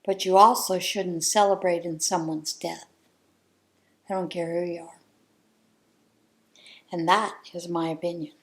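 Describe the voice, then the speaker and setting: A woman's voice: fairly low pitch, little pitch movement, a little slow, long pauses. A woman hosting a crafting channel, sharing her views in a casual chat from home in an earnest, heartfelt way.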